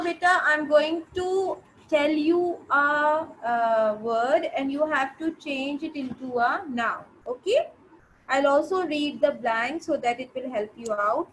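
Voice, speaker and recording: A woman's voice: high voice, measured pace, a bit bright, a little hiss or hum, poor audio. A woman with a South Asian accent teaching an interactive grammar lesson, instructive, repeating phrases and checking that pupils understand. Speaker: English teacher.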